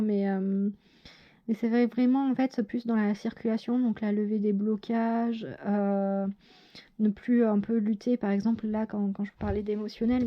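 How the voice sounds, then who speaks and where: A woman's voice: medium pitch, highs cut off. A woman giving a casual tarot reading to her viewers, talking hesitantly with lots of fillers and self-corrections. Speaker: tarot reader.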